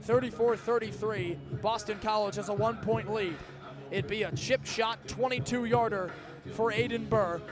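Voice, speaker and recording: A man's voice: high voice, steady tone, normal speed, over music. A young American man calling live football play-by-play in an emphatic, dramatic way. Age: young adult. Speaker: sports play-by-play announcer. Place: stadium football broadcast.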